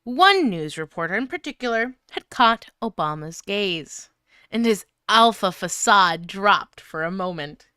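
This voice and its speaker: A woman's voice: mid-range voice, lively intonation, a little slow, sharp tone, clear, resonant tone, no room sound, studio quality. A woman streamer reading fan fiction aloud and chatting casually, in a giggly, easily flustered manner. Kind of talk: live fanfiction reading with casual chat.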